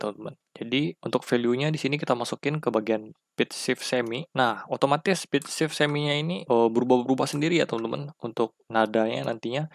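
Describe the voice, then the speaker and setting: A man with an Indonesian accent giving a casual, step-by-step software tutorial and addressing viewers informally as friends. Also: medium pitch, gravelly, no room sound, clean studio sound. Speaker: tutorial presenter.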